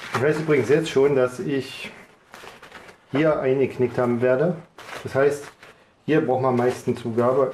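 With light background noise and audible room echo, a man speaks at a moderate pace with fairly even intonation. He leaves long, frequent pauses. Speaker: fursuit maker. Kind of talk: casual workshop tutorial to camera. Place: workshop. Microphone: phone near.

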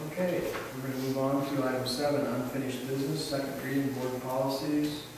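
The recording carries strong room echo. Noticeable background noise is also present. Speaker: school board chair. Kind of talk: board meeting. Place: meeting room. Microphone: camera far.

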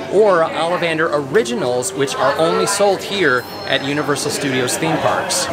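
Crowd noise fills the background. A man is speaking. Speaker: theme park vlogger. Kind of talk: casual vlog tour guide. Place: shop. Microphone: phone near.

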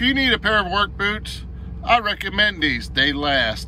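A man talks at a very slow pace in a dry sound with no echo, with light background noise. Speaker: truck driver vlogger. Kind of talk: casual vlog chat. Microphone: phone near.

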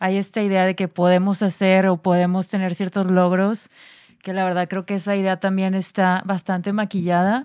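Using a plain, everyday voice, a woman talks at a fairly slow pace in a very clean recording with a silent background and a dry, close sound with no echo. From northern Mexico. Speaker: podcast co-host. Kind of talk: casual chat.

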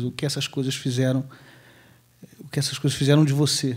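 Somewhat breathy, the voice races along at a very fast pace. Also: man. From Brazil, Rio de Janeiro. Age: 30s. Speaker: novelist; guest. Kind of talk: interview monologue; interview answer. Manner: halting, many fillers and repetitions. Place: stage. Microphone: handheld.

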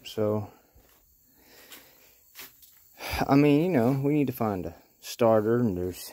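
The speech moves at a fairly slow pace. Light background noise sits behind it. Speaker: tractor restorer. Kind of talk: casual vlog chat. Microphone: phone near.

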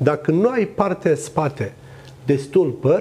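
Somewhat breathy and dark, mellow in tone, a man speaks. His intonation is lively while his pace is very slow. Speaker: guest. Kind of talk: interview answer. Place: studio. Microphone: lapel.

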